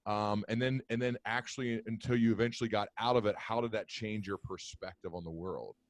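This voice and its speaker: A man's voice: fairly low pitch, steady tone, brisk, dry recording. A man in his thirties hosting a podcast, asking long, curious questions with many restarts over a video call. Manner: rambling, curious, frequent restarts. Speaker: podcast host. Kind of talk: interview questions. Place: home office, indoors. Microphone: studio mic, video call.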